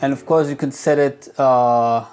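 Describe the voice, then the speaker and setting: This guitar gear demonstrator gives an informal tutorial in a steady, mid-range voice. He hesitates a lot, peppering his speech with filled pauses.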